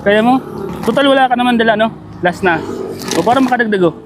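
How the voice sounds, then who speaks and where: Guy vlogging on a hot street, kinda high voice, keeps asking short "ok?" questions, nice and encouraging. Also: fast. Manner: coaxing, short repeated check-in questions; encouraging and kindly. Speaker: vlogger handing out gifts. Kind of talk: casual on-the-street chat. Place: outdoors on a sunny street. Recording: background music under the voice.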